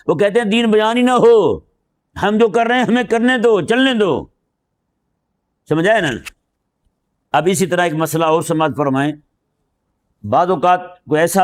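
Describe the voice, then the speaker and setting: A man giving a conversational religious sermon. He keeps asking the listeners whether they have understood and acts out exchanges from his stories. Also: a little high. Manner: acts out dialogues in anecdotes. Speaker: mufti preacher. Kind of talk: sermon lecture.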